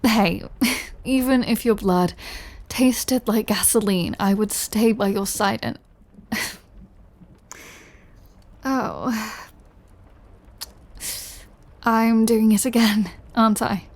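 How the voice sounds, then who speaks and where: A woman plays a lovesick female vampire in an intimate audio drama. Her voice sits fairly high and moves very slowly, halting as she confesses her hunger and remorse. She often drops to a soft, breathy near-whisper. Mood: tender, sheepish. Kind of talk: intimate scripted audio roleplay monologue.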